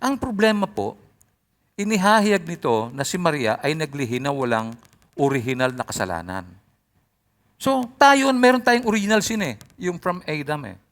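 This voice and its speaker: Animated male preacher with a lively voice. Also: fairly high pitch, normal speed. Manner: animated, voice often rising loud. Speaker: pastor. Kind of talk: sermon.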